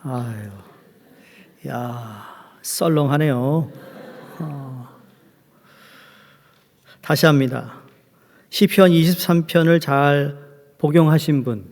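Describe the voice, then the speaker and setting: Pastor with a higher voice, preaching in a reverberant hall. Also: male voice, slow, long pauses, a little mellow. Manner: joking with the congregation. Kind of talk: sermon. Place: church sanctuary.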